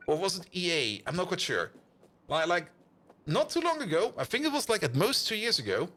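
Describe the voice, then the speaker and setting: A man live-streaming a game and chatting casually with viewers, rambling excitably and repeating his words. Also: on the high side. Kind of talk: casual chat with viewers while gaming.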